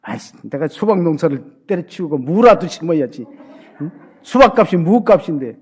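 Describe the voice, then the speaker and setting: Brief: man playing a deadpan Chungcheong country melon seller, slow and dry, fairly high voice. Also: slightly rough. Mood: grumbling. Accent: Chungcheong dialect. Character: laid-back rural male melon seller, dry wit.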